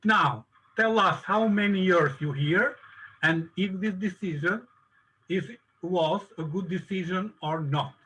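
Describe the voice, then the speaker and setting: A man hosting an online interview, speaking slowly in broken, halting phrases. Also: high-pitched, sharp tone, husky, rough recording. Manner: slow, broken phrasing, non-native. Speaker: interview host. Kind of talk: online video-call interview. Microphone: video call.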